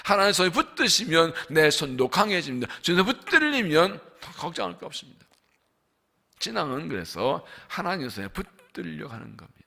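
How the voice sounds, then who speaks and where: A man preaching as senior pastor at a dawn revival service in a church, emphatic, asking the congregation questions and slowly stressing scripture lines. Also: on the high side, big pitch swings, gravelly, bright, forceful tone. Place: church sanctuary.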